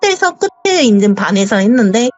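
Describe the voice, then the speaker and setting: Lively-voiced woman telling a ghost story. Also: fairly high pitch, brisk, no room sound. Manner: vivid, acts out the dialogue. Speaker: interview guest telling her own ghost story. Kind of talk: storytelling interview. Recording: dull audio, faint music behind.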